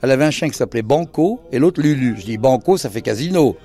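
A man's voice: mid-range voice, animated, quick pace, dark tone. An older man who owns a bar, telling anecdotes in casual conversation. He acts out the dialogue he quotes and hesitates often. He speaks indoors in his bar lounge. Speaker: bar owner.

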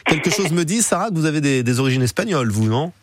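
A man's voice: on the high side, very animated, quick pace, no echo. Male radio interviewer, informal and conversational, hesitating between phrases, very dry close studio sound.

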